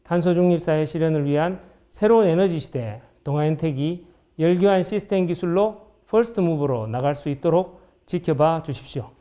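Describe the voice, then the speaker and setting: A man's voice: on the high side, moderate pace, warm tone. A man speaking as a company chief executive in a formal, prepared interview statement.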